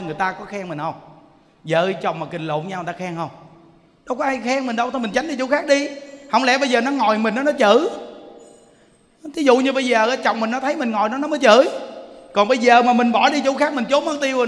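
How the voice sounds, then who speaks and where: A high-pitched man preaching a sermon in a folksy, animated storytelling manner. His voice rings out with a long reverb, as if he is speaking in a temple hall. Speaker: monk.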